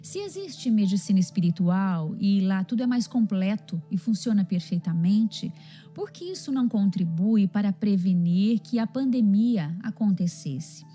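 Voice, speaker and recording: A Brazilian woman presents and reads questions aloud. Her voice is very soft-toned and dark, at an average pitch for a woman, with faint music behind it. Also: expressive, moderate pace. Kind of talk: reading listener questions.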